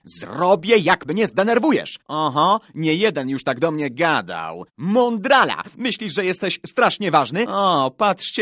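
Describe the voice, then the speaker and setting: A man's voice: fairly low pitch, bright, forceful tone, dry recording, clean studio sound, heavily acted. A man voicing cocky, quarrelsome young boys in a story, taunting and boasting childishly. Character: cocky, quarrelsome young boy spoiling for a fight.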